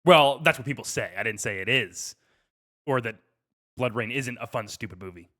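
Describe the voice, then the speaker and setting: Bright-voiced man chatting on a podcast. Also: medium pitch, moderate pace. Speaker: podcast co-host running a quiz game. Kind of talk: casual podcast chat.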